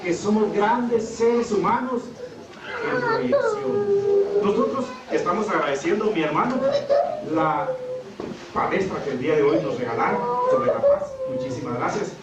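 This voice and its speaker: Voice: mid-range voice, wildly swooping pitch, a little slow. A radio host leading a live interview, thanking the guests and addressing the listeners formally as brothers and sisters. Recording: echoey room from far off, loud noise.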